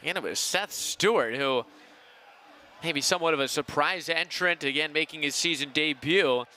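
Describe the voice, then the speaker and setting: Calling play-by-play for a live sporting event, this young adult man projects a fairly high, sharp-toned voice at normal speed that climbs during big plays. There's faint outdoor ambience in the background.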